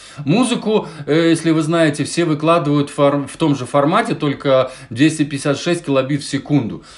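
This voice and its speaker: This man's voice sits at a fairly high pitch with ordinary pitch variation. He talks at a fairly slow pace. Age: 60s. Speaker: podcaster. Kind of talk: casual podcast monologue. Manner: halting with fillers.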